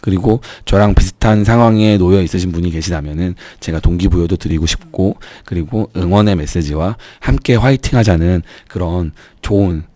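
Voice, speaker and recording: A man's voice: sits low, brisk, few pauses, dark tone, no echo. A man with a strained, sore throat speaking earnestly and emphatically to viewers in a motivational vlog, urging them on as an online business YouTuber.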